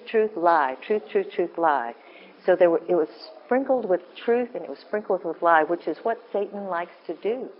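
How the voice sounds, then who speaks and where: A woman with a deep voice giving an informal, earnest talk to a women's group, often breaking off and restarting. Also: lo-fi sound. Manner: rambling, self-interrupting, earnest. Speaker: women's ministry speaker.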